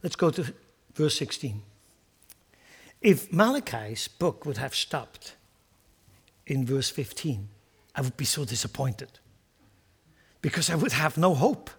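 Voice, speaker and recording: A man's voice: mid-range voice, very animated, slow pace, pauses often, husky. A man preaching a sermon as a pastor, impassioned and repeating words as he builds emphasis.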